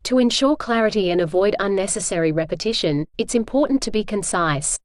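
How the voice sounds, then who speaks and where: A woman's voice: mid-range voice, lively intonation, brisk, dry recording, studio quality. A woman reading scripted practice sentences aloud for an English exam lesson.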